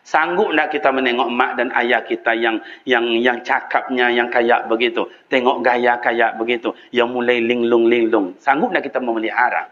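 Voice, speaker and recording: An older man with a Minangkabau accent preaches in a mosque at a moderate pace, telling stories in a lively way with sudden leaps in pitch and often turning to address listeners directly. The recording has its highs cut off.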